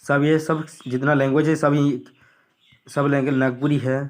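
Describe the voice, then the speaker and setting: A man's voice: mid-range voice, little pitch movement, moderate pace. A man going through a school syllabus on screen, repeating what to study and what to skip in a plain explanatory way. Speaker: teacher.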